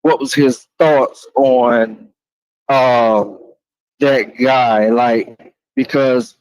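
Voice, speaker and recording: A man chatting casually as a panelist, halting and roundabout, often saying "you know". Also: mid-range voice, fairly even intonation, a little mellow, dry recording, poor audio. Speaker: panelist asking a question. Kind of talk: casual chat.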